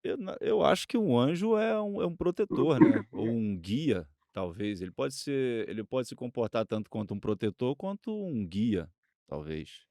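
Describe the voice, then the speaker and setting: Mellow Brazilian man, dry close sound. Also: mid-range voice, big pitch swings, normal speed, no room sound. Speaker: podcast co-host. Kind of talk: casual chat.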